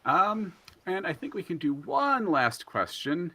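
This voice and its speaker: A man's voice: sits high, very animated, unhurried, sharp tone. A man moderating a panel, putting questions in a polite, slightly hesitant conversational manner. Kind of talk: reading audience questions, conversational.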